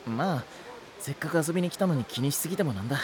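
A man's voice: a little high, expressive, very fast, close to an everyday voice. An actor playing a serious, protective young man in an anime audio drama. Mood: concerned, calm. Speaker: lifeguard.

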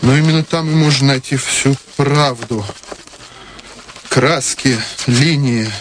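An actor playing a passionate, restless young male painter in a radio play, speaking haltingly and repeating words. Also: medium pitch, slight background noise, lightly acted. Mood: brooding, intense. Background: music.

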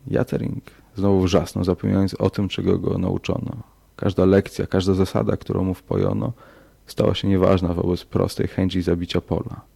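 A man narrating a horror story in a slow, measured audiobook reading. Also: deep voice, flat delivery, gravelly, warm tone, husky.

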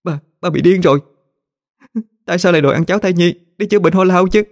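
A man's voice: high voice, fast, pitched above the performer's own voice. A man voicing a terrified young pregnant woman who pleads tearfully with her aunt. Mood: pleading.

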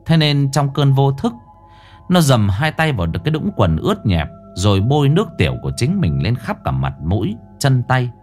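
A man reading a ghost story aloud in a dramatic, expressive way. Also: medium pitch, normal speed, faint music behind. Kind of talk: scripted horror story narration.

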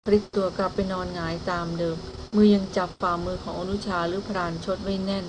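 A woman narrating a novel as an audiobook in a calm, even storytelling manner. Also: on the low side, brisk, background noise.

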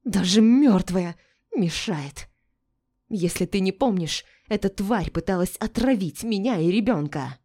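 A woman voicing a shrill hysterical noblewoman. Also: lively intonation, unhurried, mellow. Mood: panicked fury. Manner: shrieking, sobbing outbursts.

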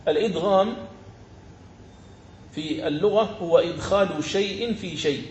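A man teaching the rules of Quran recitation, explaining each rule and then slowly chanting verse examples. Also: a little high, roomy sound, slight background noise. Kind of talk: tajweed lesson with chanted examples.

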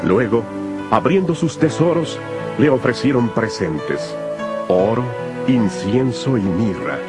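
A man narrating scripture from a script in a solemn, measured storytelling manner. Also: medium pitch, animated, loud music behind the voice. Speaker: Bible narrator.

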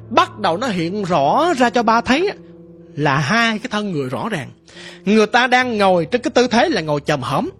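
Woman telling a ghost story, emphatic, husky, faint music behind. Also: fairly high pitch. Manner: vivid, emphatic, first-person storytelling.

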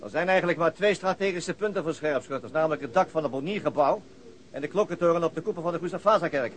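An actor playing a troubled, conscientious police detective, earnest and brooding, in a radio drama. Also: male voice, a little high, quick pace, a little hiss or hum, natural voice. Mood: informative. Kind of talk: Dutch radio drama acting.

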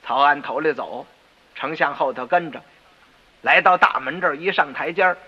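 A man's voice: fairly high pitch, moderate pace, breathy edge, in a large hall. A man with a Beijing accent telling a comic story and acting out all the voices himself. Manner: lively, acting out every voice. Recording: dull lo-fi radio recording.

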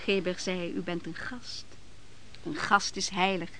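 A gentle, bright-voiced caring hostess. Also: female voice, fairly low pitch, level tone, measured pace. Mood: soothing, solicitous. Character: gentle, attentive woman caring for an exhausted guest. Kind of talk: Dutch radio play acting. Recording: noisy old radio play recording.

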